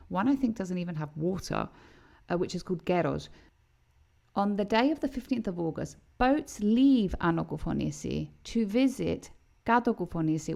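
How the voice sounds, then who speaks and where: A woman's voice: on the low side, gravelly, a little mellow. A woman co-hosting a travel podcast in casual chat, talking freely with restarts and repeated words. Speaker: podcast co-host.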